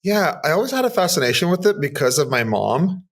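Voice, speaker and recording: A Southern California man in his thirties, a makeup artist, chats upbeat as a podcast guest in a casual interview, full of casual fillers. His voice is a little high, sing-song and brisk.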